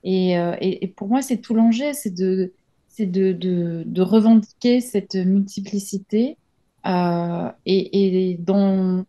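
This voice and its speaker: A woman's voice: mid-range voice, slow pace, mellow. A woman in her thirties giving a reflective interview as an author, thinking aloud with many hesitations and restarts. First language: French. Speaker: interview guest, journalist and author.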